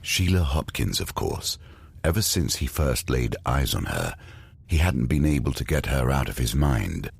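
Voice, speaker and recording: An actor playing an ominous storyteller in a horror audio drama, narrating in a dramatic, gravelly voice. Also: male voice, very deep voice, sing-song, normal speed, full character voice. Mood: measured, dramatic.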